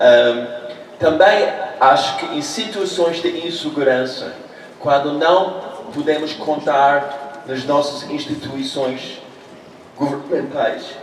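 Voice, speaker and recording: A man's fairly high voice at a very slow pace, with long, frequent pauses, audible room echo and noticeable background noise. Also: ordinary pitch variation. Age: 60s. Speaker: novelist. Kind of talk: book talk with audience Q&A. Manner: hesitant, many fillers and restarts.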